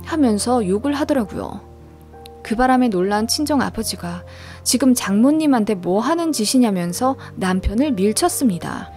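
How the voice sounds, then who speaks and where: Woman reading a story out steady n earnest, bit high pitched, quiet music behind. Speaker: story narrator. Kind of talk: scripted narration of a true story.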